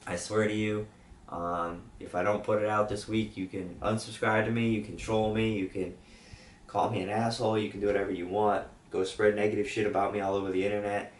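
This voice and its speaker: A man's voice: on the low side, level tone, fairly quick, a little hiss or hum. A young man from with a weak, sore-throated voice, rambling casually with fillers as he updates his channel. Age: young adult. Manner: rambling, with many fillers and restarts. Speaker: YouTube channel host. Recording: roomy, distant from the mic.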